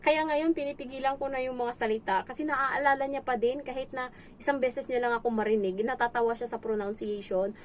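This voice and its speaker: Chatty Filipina helper. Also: female voice, steady tone, a little fast, a little hiss or hum. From Philippines. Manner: chatty, acts out quoted voices in a high pitch. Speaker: domestic helper vlogger. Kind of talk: casual storytelling vlog. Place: indoors in her employer's home.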